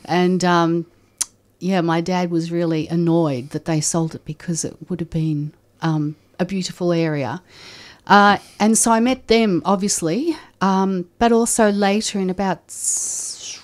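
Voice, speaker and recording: An older woman from Australia who grew up speaking a German dialect at home, recalling her childhood in an oral history interview, pausing often with ums and restarts. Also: fairly low pitch, steady tone. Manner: reflective, hesitant, with many ums and restarts.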